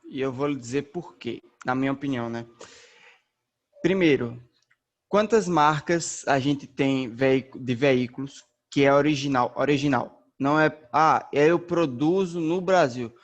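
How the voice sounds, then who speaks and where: A young man from northeastern Brazil, a racing driver, answering interview questions in a relaxed, slangy way with many fillers. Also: medium pitch, a little slow. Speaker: race car driver, interview guest.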